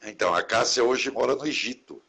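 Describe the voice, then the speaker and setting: A Catholic priest with a mid-range, brisk voice and vocal fry chats casually on a live stream, a crowd audible behind him. He's warm and reflective, often slipping into preachy asides about caring for one another.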